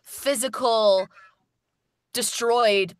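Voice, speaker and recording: A woman's voice: fairly high pitch, slow, slight background noise. A woman chatting in a casual panel discussion in a playful, wry way.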